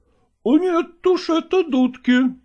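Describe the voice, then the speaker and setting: A man's voice: very high voice, slow, a little mellow, highs cut off, voice pushed up. Man playing a wry, mocking actor. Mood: indignant. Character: sardonic male actor, mocking and lively. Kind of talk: audiobook character voice.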